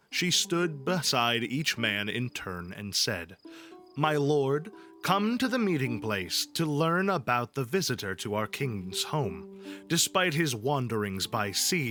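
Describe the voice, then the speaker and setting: Bright-voiced man, playful streamer. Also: medium pitch. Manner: playful, irreverent, profane, jokey. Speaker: livestream host reading aloud to an audience. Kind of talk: casual livestream chat and live reading of epic poetry. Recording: background music under the voice. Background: ambient background music.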